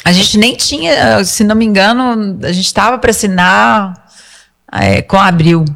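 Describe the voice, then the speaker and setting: A Brazilian woman speaks as a singer in a casual interview, recounting stories with emphasis and quoted dialogue. Her voice sits at an average pitch for a woman, and the recording carries a long, hall-like reverberation. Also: a little slow, creaky, a bit bright. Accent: Brazilian Portuguese.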